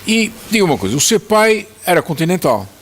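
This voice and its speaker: A man's voice: sits high, big pitch swings, fairly quick, slight background noise. Male TV host recapping guest's answers. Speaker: TV talk-show host. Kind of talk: TV interview.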